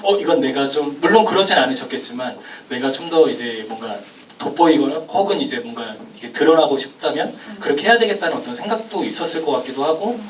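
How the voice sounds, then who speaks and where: A man's voice: fairly high pitch, animated, quick pace, far from the mic. A man moderating a film Q&A, asking polite, long, winding questions. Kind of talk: hosting a post-screening talk. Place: cinema auditorium. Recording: echoey cinema, from afar, faint hum.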